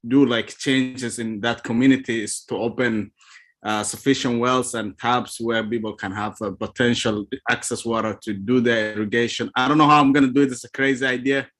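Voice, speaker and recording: A man from Ethiopia speaking on a video call, giving an earnest, halting personal testimony with frequent restarts. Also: medium pitch, fairly bright tone. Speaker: call participant.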